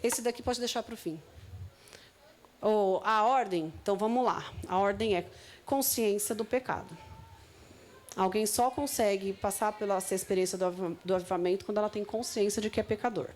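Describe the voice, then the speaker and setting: A woman with a Brazilian Portuguese accent preaching a sermon, reading scripture aloud slowly and then explaining it in loose, conversational asides. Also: mid-range voice, a little mellow, a little hiss or hum.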